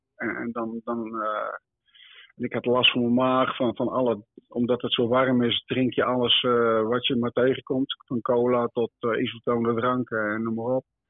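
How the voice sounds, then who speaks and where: A man's flat, monotone delivery at a medium pitch and moderate pace. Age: 70s. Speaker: triathlete. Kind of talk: interview. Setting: phone call.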